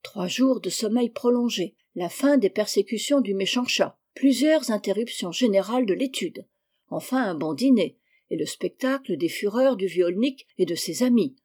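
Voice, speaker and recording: Woman reading a clever prankster boy, soft-spoken, assured, warm low tone. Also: moderate pace, lightly acted. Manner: calm, self-assured, soft. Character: mischievous clever orphan boy. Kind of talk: audiobook reading.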